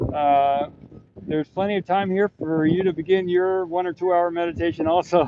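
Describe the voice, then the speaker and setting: A man's high-pitched, monotone, flat delivery at a moderate pace, with noticeable background noise. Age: 40s. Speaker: livestreamer. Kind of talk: casual live commentary. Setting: outdoors. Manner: halting.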